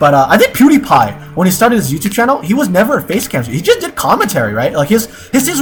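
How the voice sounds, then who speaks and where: A man speaks at a very fast pace in an animated tone, with hardly any pauses and noticeable background noise. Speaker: gaming YouTuber. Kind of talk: casual gaming commentary. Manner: loud.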